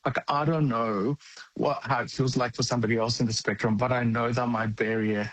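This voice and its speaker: Husky-voiced man, blunt and earnest. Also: mid-range voice, steady tone, a little fast, no echo, poor audio. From Greece. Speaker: interview guest. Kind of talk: conversational interview answers.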